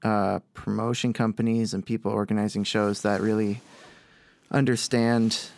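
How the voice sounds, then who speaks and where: A man's voice: fairly low pitch, little pitch movement, normal speed, gravelly, a little mellow, dry recording. A man guest-hosting a local music show, asking questions in a thoughtful, conversational way with some hesitations. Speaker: guest host. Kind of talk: casual interview questions.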